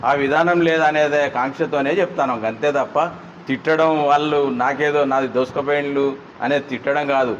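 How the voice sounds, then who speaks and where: A man, a former public representative calmly explaining his grievance in an interview. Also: a little high, brisk, highs cut off, slight background noise.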